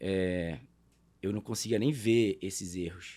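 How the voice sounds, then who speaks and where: In a very clean recording with a silent background, a man speaks with a fairly low pitch, a dark, mellow tone and ordinary pitch variation. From Santarém, Pará, northern Brazil. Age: 30s. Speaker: airplane pilot, survivor guest. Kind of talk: interview testimony. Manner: halting, repeats words.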